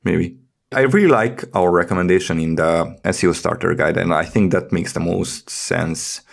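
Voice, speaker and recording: A man's voice: deep voice, moderate pace, vocal fry. A man chatting casually as a podcast co-host, in a grumbling, skeptical manner. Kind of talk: casual panel chat.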